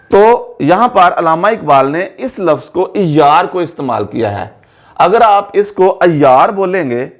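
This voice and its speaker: Man, Urdu teacher, slightly high voice, slow and deliberate, repeats words carefully. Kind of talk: pronunciation lesson.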